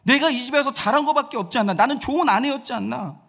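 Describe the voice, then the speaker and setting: A man's voice: high-pitched, big pitch swings, moderate pace, fairly bright tone, breathy edge, exaggerated voice. A male pastor acting out a proud, self-pitying wife who complains indignantly during a sermon. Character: self-pitying proud wronged wife, middle-aged woman. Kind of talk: sermon with acted quotes.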